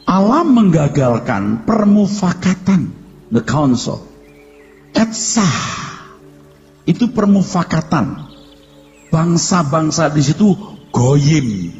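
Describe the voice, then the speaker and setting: A man preaching a sermon as a pastor, animated and scolding. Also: fairly high pitch, slow pace, pauses often, faint music behind. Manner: animated, exclaiming and scolding, mixing in English words. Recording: dull sound with long hall reverb.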